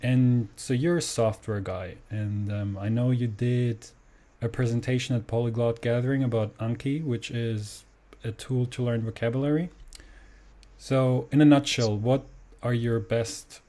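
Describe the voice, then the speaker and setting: German male host, native German speaker, mellow timbre, enthusiastic casual interviewer. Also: mid-range voice, fairly even intonation, measured pace. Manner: enthusiastic, says "awesome" often.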